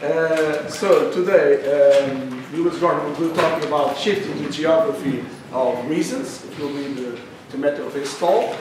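A man in his fifties from the Azores introducing a speaker on a stage, halting often with fillers and restarts. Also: fairly high pitch. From Portugal, Azores. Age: 50s. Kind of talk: hesitant formal introduction. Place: stage of a small venue, indoors. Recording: echoey hall from a distance, noisy.

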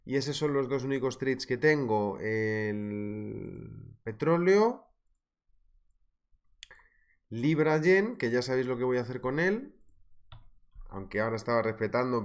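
A man with a Spain Spanish accent who teaches trading in a live webinar, talking in a chatty, joking way and greeting viewers by name. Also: mid-range voice. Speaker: trading instructor. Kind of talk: live webinar, market analysis.

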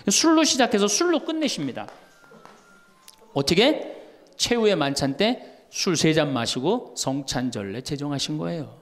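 A man's voice: a little high, very animated, moderate pace. A middle-aged man, a Catholic priest, giving a humorous talk to an audience and acting out the voices in his stories. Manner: storytelling, acts out quoted voices, laughs along. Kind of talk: humorous lecture.

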